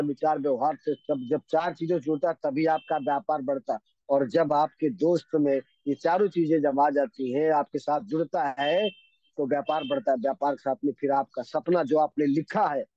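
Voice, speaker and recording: A man delivers a motivational seminar speech with a fairly high, mellow voice. He hammers the same phrases again and again, tucking in couplets along the way. The sound is dry and a little muffled, like a lo-fi recording. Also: dry recording. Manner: emphatic, repeats key phrases again and again; says he talks fast. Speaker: motivational speaker at a direct-selling seminar.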